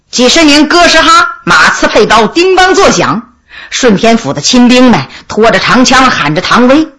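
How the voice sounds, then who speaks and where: A woman telling a historical story aloud, her high voice rising and falling with lively expression. She reads slowly and dramatically, taking her time over each scene. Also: slight background noise. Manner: expressive, unhurried, dramatic reading. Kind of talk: storytelling narration of a historical novel.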